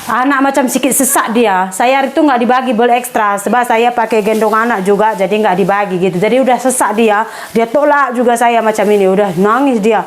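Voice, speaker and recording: A woman's voice: fairly high pitch, fairly quick. A woman chatting casually to camera as a vlogger, slipping English words into her talk.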